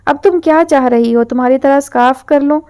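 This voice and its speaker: A woman's voice: sits high, a little mellow. A woman voicing a hot-tempered rich young man who teases and then gives curt orders, in a novel reading. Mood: angry. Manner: teasing, then curt and commanding.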